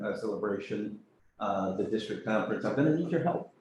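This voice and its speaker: Fairly quick speech from a man, audible room echo around it. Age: 60s. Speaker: Rotary district governor-elect. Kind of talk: club speech. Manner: animated.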